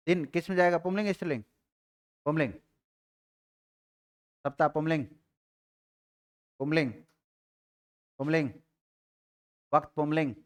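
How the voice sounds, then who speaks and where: A man with a fairly high voice and a Rajasthani Hindi accent teaches Hindi grammar to a live class. He drills the students and repeats letters slowly.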